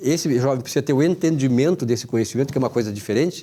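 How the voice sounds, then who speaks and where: Fairly high in pitch, a man talks very fast with lively intonation. His tone is dark and mellow. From Rio Grande do Sul, Brazil. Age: 70s. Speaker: TV show host. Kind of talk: talk show discussion.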